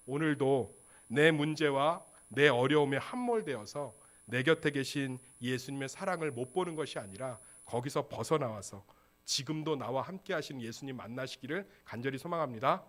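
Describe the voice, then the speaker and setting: A man preaching a Sunday sermon as pastor, asking the congregation questions and answering them himself, with emphatic, animated delivery. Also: a little high. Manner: call-and-response questions to the congregation, lively and emphatic; acts out quoted lines in a casual voice. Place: church sanctuary.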